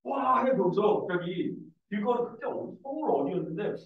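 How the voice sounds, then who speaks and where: A male math teacher lectures in a slightly raised voice, breaking into animated, joking stories. He sounds set back from a dull-toned mic. The room around him is echoey. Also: sits high, a little fast, recorded from a distance. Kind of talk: lecture mixed with casual anecdotes.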